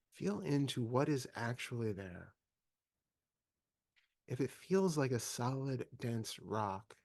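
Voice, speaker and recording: A man leading a guided meditation as a teacher, speaking calmly and in measured phrases with long pauses. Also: medium pitch, creaky, dry recording, studio quality.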